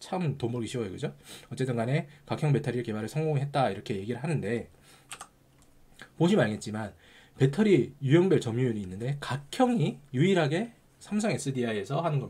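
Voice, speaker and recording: Somewhat breathy and dark, mellow in tone, a man speaks at a medium pitch with lively intonation and a fairly quick pace. Long, frequent pauses break up his delivery. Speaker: stock market commentator. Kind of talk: market analysis monologue. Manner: conversational, rhetorical questions.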